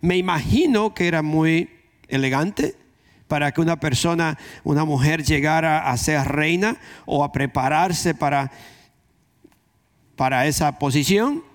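Dominican preacher with a higher-pitched male voice. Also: animated, a little slow. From Dominican Republic. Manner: emphatic repetition of phrases. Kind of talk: conversational sermon.

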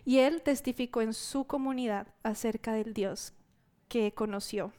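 A woman preacher giving a sermon testimony to her church, telling the story in a lively way and acting out what people said. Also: on the high side, measured pace, smooth.

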